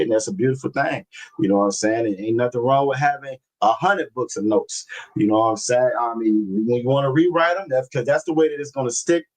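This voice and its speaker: A man teaching a religious language class over a video call, reading scripture slowly and often repeating himself. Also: medium pitch, a little mellow, poor audio. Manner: repeats phrases, constant "you know what I'm saying"; slow, deliberate scripture reading.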